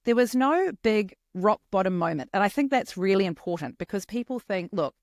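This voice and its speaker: A woman in her forties with a New Zealand accent, a podcast guest telling her story in a candid, lively way. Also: medium pitch, fairly quick, no echo, clean studio sound. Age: 40s. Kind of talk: podcast interview.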